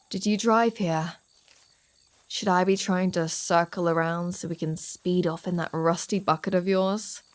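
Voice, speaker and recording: Woman playing a slow-talking, flirty female vampire. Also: lowish voice, natural voice. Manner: playful, sardonic, mock-exasperated. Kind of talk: ASMR roleplay audio drama.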